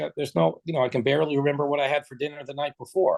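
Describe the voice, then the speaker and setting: A man of medium pitch at a very fast pace. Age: 60s. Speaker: fitness client, surgeon. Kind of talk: interview.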